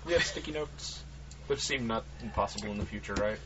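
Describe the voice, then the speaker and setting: A man's voice: on the low side, fairly quick, a bit bright. A man playing a tabletop game, chatting casually and jokingly. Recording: dull lo-fi recording with clear background noise.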